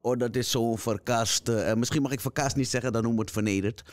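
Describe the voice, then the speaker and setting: A man hosting a podcast in casual conversation, speaking easily with many fillers and quick agreements. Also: medium pitch, dry recording, clean studio sound. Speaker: podcast host. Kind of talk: casual chat.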